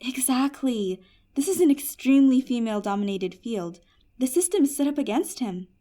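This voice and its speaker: A woman as a high-voiced, earnest djinnia. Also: lively intonation, moderate pace, mellow. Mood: earnest pleading. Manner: earnest, polite, persuasive. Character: Peri, kind, earnest young djinnia of smokeless fire. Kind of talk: fantasy comedy audio drama acting.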